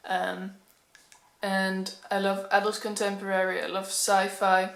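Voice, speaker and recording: Young Dutch-accented woman, casual book vlog to camera, candid and slightly nervous, mid-pitched voice, roomy echo. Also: completely flat delivery, a little slow, creaky, a bit bright. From Netherlands. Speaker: book vlogger. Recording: echoey room.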